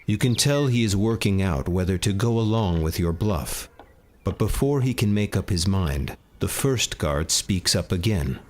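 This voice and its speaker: A man reading a tabletop game's story text aloud as narrator, steady and measured. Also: sits low, a little hiss or hum. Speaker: game narrator.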